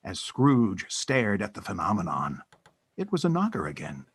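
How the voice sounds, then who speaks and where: A man narrating a scripted story for an audio drama in a theatrical, deliberate storytelling manner. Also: lowish voice, huge pitch swings, fairly bright tone, slightly rough, dry recording.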